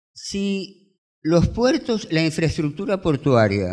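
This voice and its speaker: This is a man speaking. His pace is very slow. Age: 60s. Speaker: maritime law expert. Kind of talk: conference talk.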